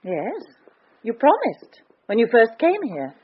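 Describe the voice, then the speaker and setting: A woman's voice: on the high side, huge pitch swings, slow, narrow, tinny audio, background noise, heavily acted. An actor playing a proud young lady who speaks in a cool, forthright way in a radio drama.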